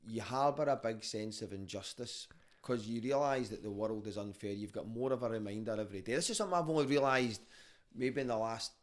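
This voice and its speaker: A man with a Glaswegian street Scottish accent, his voice on the low side and a little fast, chats casually and tells stories on a podcast, keeping it candid, sweary and conversational.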